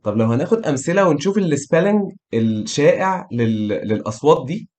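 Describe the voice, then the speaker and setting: Lively Egyptian man teaching pronunciation. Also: a little high. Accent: Egyptian Arabic. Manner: demonstrates vowel sounds slowly, repeating them. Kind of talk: online pronunciation lesson.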